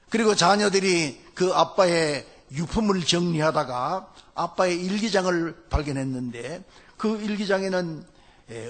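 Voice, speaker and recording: Husky, higher-voiced man telling a sermon story. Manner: unhurried, with frequent hesitant fillers. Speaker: pastor.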